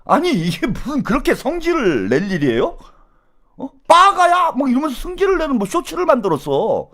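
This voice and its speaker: A man's voice: huge pitch swings, fast talker. Fiery ranting man streaming live. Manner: angry ranting, swings from low mutter to loud outbursts; coarse language, rhetorical questions. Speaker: political YouTube host. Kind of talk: live-stream political commentary.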